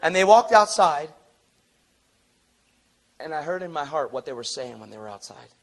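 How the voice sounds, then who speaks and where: A man preaching a sermon through a story, acting out the people he quotes with sudden loud high jumps and dropping to a soft, earnest low tone. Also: normal speed. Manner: animated, acts out quotes with big jumps in pitch and volume; drops to a low, soft, earnest tone for tender moments.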